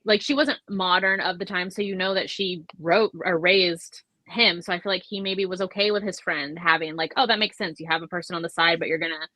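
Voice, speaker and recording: A woman's voice: fairly low pitch, fairly even intonation, brisk, few pauses, pushed and bright, no echo, low-quality recording. A woman chatting casually in a book discussion, talking in a filler-heavy way and slipping into imagined dialogue. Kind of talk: casual book club chat.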